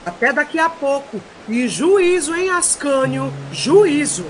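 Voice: high-pitched, sing-song, slow, over music, heavily acted. An actor with a Brazilian accent playing an earnest, nagging heroic father in an audio drama. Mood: admonishing. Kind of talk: comic audio drama acting.

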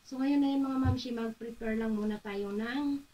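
Woman, middle-aged, from the Philippines, casual home vlog, a bit high-pitched, heard from a distance in a bedroom. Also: normal speed, warm tone, muffled recording. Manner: chatty, addresses viewers as mamshi, mixes English into Tagalog. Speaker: vlogger. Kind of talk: casual chat to viewers. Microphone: camera across the room. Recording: voice a bit far from the mic.

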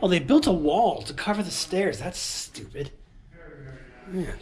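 Excitable man exploring a house. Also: sits high, a little slow, background noise. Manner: excitable, keeps calling out to viewers. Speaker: urban explorer vlogger. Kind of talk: casual exploring vlog to camera. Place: empty abandoned house, indoors. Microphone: handheld action camera.

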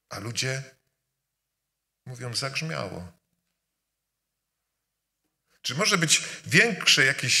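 A man preaching a sermon during a church service, speaking emphatically with rhetorical repetition, rising to loud calls and dropping to quiet, intimate lines. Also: mid-range voice. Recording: reverberant church hall.

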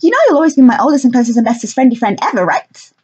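A woman voicing an excitable young female fire pixie in a storybook reading, gushing and breathless. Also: a little high, racing, breathy edge, lo-fi sound, pitched above the performer's own voice. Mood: eager.

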